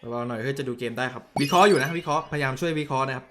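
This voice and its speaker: Streaming himself as he watches a match, a man comments casually, blunt and excitable, using crude slang and responding to viewer messages. His mid-range voice races along.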